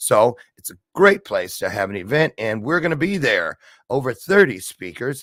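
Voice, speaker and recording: Speaking at a fairly slow pace, a man's voice makes very wide pitch swings in a very clean recording with a silent background and a dry, close sound with no echo. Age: 60s. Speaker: livestream show host. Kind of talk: casual live-stream chat. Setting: live video stream. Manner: animated, chatty.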